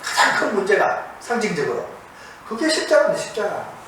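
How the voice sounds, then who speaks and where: High, lively male preacher in echoey hall. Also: brisk. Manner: asks the audience questions and repeats key words. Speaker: monastic preacher. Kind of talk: sermon lecture to an audience. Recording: very echoey, distant mic, faint noise.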